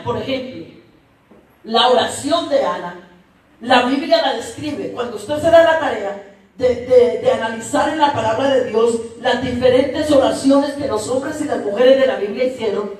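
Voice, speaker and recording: A woman preacher delivers an emphatic sermon in a high voice, stacking repeated phrases and talking directly to the people. The sound comes from well back in a church hall with heavy echo. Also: a little mellow. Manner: emphatic, repetitive, addresses congregation directly. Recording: very echoey hall, distant mic.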